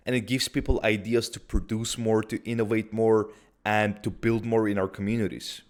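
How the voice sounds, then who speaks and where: A man's voice: fairly low pitch, darkish tone. A man in his twenties from Iran, talking earnestly in a personal vlog and often saying "you know". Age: 20s. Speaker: vlogger.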